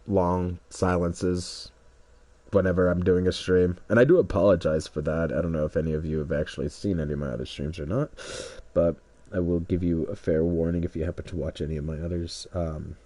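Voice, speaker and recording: A young man with a low, mellow voice, stuffed up from congestion, rambles hesitantly to his stream. His talk is full of restarts and self-deprecating trailing off. The sound is close and dry. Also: little pitch movement, fairly quick, dry recording. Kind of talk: rambling solo stream chat.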